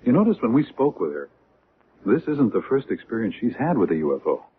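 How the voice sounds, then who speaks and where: An actor playing an earnest, open-minded doctor and UFO researcher in a conversational radio drama style. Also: male voice, medium pitch, big pitch swings, fairly quick, close to an everyday voice. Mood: earnest, intrigued. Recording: muffled, noisy old radio recording.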